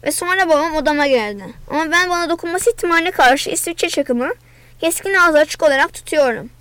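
A woman narrating a novel in the first person, in a plain, flat, repetitive manner. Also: high-pitched, fairly quick, no room sound. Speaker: audiobook reader.

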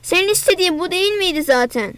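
A woman reading the part of an angry middle-aged father who shouts in a family row. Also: very high voice, animated, quick pace, no echo. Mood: angry shouting. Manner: shouting, bitter, later pleading.

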